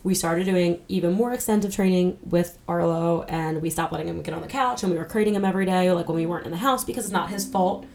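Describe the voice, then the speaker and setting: A woman's voice: fairly low pitch, fast, gravelly, hardly any pauses, a little mellow. A woman with a nasal voice co-hosting a podcast in candid, casual chat. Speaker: podcast co-host.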